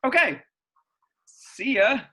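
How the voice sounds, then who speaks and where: Actor as a bright-voiced, awkward, polite man. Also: extremely high pitch, sing-song, slow, husky, heavily acted. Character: polite, bemused young man being serenaded. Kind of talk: virtual staged comedy sketch reading.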